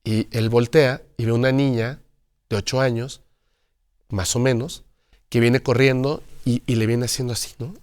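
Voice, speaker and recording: A man's voice: medium pitch, fairly even intonation, moderate pace, a little mellow, smooth. A man, a guest in conversation, telling a paranormal story and acting out the dialogue. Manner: dramatic storyteller who acts out dialogue.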